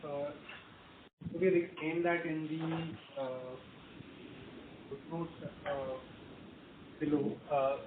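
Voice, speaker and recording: A man answering haltingly as a company executive on a conference call. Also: a little high, little pitch movement, narrow, tinny audio. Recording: echoey speakerphone, faint noise, phone band.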